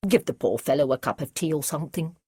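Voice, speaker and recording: A woman voicing a brisk, confident male scientist in an audiobook. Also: sits low, mellow, husky, no echo, studio quality. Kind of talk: audiobook character reading.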